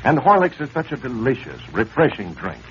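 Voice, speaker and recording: A man announcing on a 1930s radio show, with a smooth, emphatic sales delivery and a recap of the story. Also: medium pitch, huge pitch swings, brisk. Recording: old lo-fi radio transcription with hiss.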